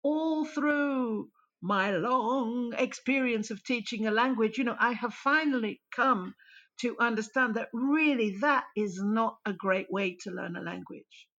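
Higher-voiced woman on a muffled line. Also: a little slow, a bit bright. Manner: thoughtful, explanatory. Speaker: language teacher, guest. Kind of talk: interview answers.

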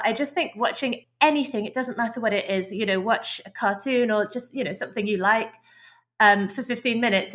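A woman's voice: medium pitch, fairly bright tone. A woman, a podcast guest explaining her ideas in a thoughtful, chatty way, often restarting phrases. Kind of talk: podcast interview.

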